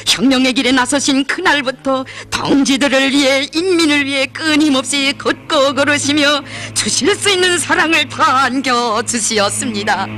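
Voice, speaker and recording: Very high-pitched North Korean male narrator. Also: normal speed, few pauses, sharp tone. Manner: solemn, reverent, emotive declamation. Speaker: documentary narrator. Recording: music behind the narration. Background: music.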